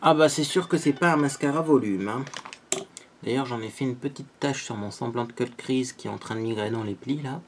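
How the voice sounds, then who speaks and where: A man of ordinary middle pitch talks viewers through his makeup in a loose, chatty way. He pokes fun at his own efforts and keeps tossing in small asides to the audience. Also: normal speed, faint music behind. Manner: chatty, self-mocking, tags sentences with "hein". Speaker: beauty vlogger. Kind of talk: casual makeup tutorial.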